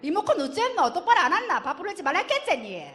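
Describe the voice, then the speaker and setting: A woman's voice: extremely high pitch, very animated, sharp tone, pitched above the performer's own voice, full character voice. A woman voicing a nagging father who scolds his young son nonstop in Gyeongsang dialect. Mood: scolding. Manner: rapid scolding, nonstop orders.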